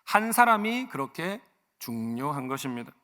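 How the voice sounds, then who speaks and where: A man preaching in a church sanctuary, his slightly high voice bright and forceful. He talks conversationally, telling personal stories and swinging from hushed asides to loud, emphatic lines. A long church reverb trails behind every phrase. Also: sing-song, normal speed. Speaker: senior pastor. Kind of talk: sermon.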